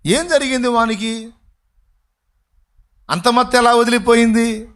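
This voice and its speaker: A man preaching a sermon as pastor, telling a story and acting out its voices with sudden loud and hushed turns. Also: very high-pitched, steady tone, a little slow, smooth.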